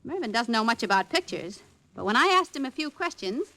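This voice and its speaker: An actress playing a tough, distrustful, sharp-tongued agent in a 1940s radio drama. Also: female voice, a little high, sing-song, brisk, no room sound, heavily acted. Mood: wary.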